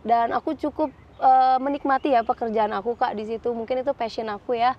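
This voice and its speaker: A woman's voice: fairly high pitch, steady tone, fairly quick. A woman from Jakarta in her thirties, chatting casually as a podcast guest, with frequent fillers and restarts. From Jakarta, Indonesia. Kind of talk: casual interview chat. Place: outdoors. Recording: dull lo-fi sound.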